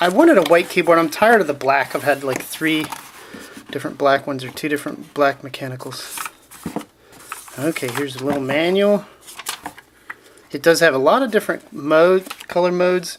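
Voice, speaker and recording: The speaker moves at a fairly quick pace but leaves long, frequent pauses, with noticeable background noise behind them. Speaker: tech reviewer. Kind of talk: unboxing video.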